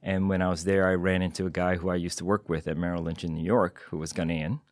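A middle-aged man answers interview questions in a very low voice. He talks in a measured, hesitant way, full of small fillers. The studio sound is dry. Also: flat delivery, dry recording. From Singapore. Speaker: guest, tech executive. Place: podcast studio.

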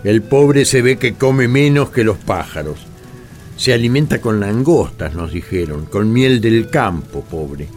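An awed, slow-talking Argentine peasant. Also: male voice, lowish voice, animated, a little mellow, faint music behind. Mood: awed, hopeful. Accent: Argentine Spanish. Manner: colloquial, wondering. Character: awed peasant man telling of a desert prophet. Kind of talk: radio play acting.

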